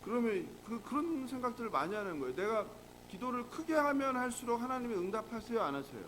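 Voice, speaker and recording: Male pastor, early morning sermon, high bright voice, swoops up and down a lot, faint background hiss. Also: very animated, fast talker, poor audio. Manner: conversational, asks the congregation rhetorical questions.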